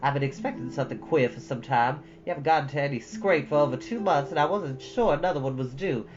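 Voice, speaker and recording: A woman's voice: low voice, quick pace, darkish tone, dull audio, lightly acted. A woman voicing a stern older female guardian in a storybook reading, severe, blunt and sarcastic. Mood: exasperated.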